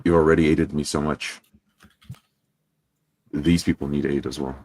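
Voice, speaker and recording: A man's voice: a bass voice, steady tone, moderate pace, a little mellow. A man voicing an earnest, courteous adventurer with solemn, formal wording in a tabletop roleplay.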